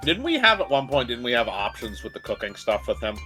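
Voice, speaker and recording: Animated man joking along, big pitch swings. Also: a little fast. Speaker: gaming co-host reacting to the game. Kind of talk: casual chat. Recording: music playing behind the voice.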